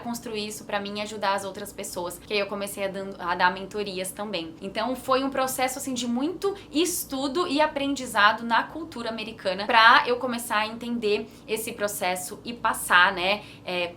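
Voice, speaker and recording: Brazilian woman in her 30s, chatty vlog talk, kinda high bright voice, bit of hiss behind. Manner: chatty, earnest, many fillers like "né". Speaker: vlogger and digital business mentor. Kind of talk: casual talk to camera.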